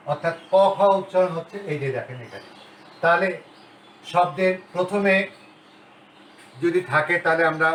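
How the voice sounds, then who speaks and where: Man lecturing slowly in a roomy room. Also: fairly high pitch, fairly bright tone, distant mic. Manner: slow, deliberate, repeats key sounds. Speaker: Bengali grammar lecturer. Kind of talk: classroom lecture at a board. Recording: roomy, off-mic, faint hiss.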